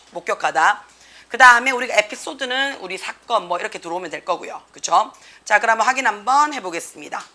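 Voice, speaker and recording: A woman's voice: fairly high pitch, pushed and bright. A young woman teaching an English reading lesson, explaining a passage and checking in with students with constant tag questions.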